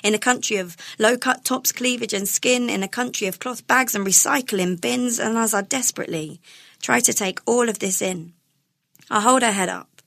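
A woman's voice: a little high, normal speed, creaky, fairly bright tone, no room sound, studio quality. A young woman performing rhyming spoken word poetry in an emphatic, indignant, cadenced delivery.

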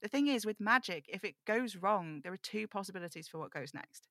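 A woman acting as a lonely, reflective broadcaster who confides in her listeners in a measured, intimate audio drama monologue. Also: mid-range voice, animated, sharp tone, no room sound, clean studio sound. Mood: grave, explanatory. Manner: measured, confiding, wistful storytelling.

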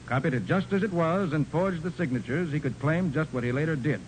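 An actor playing a confident, commanding private detective with a brisk, authoritative manner in a 1940s radio crime drama. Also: male voice, natural voice. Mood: explanatory, assured. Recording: noisy rumbling 1940s radio recording.

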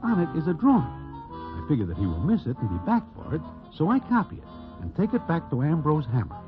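An actor playing a wry Broadway narrator in a 1940s radio drama, speaking formally, without contractions. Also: male voice, fairly high pitch, wildly swooping pitch, a little fast. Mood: narrating. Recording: tinny old radio broadcast with music.

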